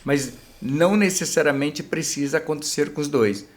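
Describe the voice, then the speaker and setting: A man's voice: a little high, normal speed. Brazilian therapist guy, middle-aged, chatty explainer, keeps adding little tag words. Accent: Brazilian Portuguese. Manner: explanatory, many filler tags at phrase ends. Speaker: couples therapist guest. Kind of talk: casual podcast interview.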